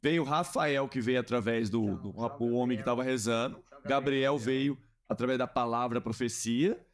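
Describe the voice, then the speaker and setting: A man's voice: mid-range voice, moderate pace. This is a man with a mid-range voice who hosts a religious podcast. He speaks casually and affirmingly, restarting his sentences as he explains.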